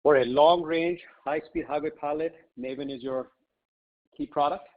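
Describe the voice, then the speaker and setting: A man's voice: on the high side, fairly even intonation, moderate pace. A man speaking as a company executive, answering questions off the cuff on an investor conference call in a conversational way peppered with "you know". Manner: conversational, often says "you know" and "right". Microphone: conference call line. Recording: slightly muffled conference call audio.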